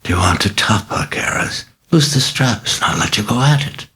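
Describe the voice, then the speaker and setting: A man's voice: fairly low pitch, expressive, moderate pace, pushed and bright, voice pushed up. A man voicing a sly, mocking demon that possesses a young girl, drawling and sinister in an audiobook reading. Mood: taunting. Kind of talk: audiobook character voice.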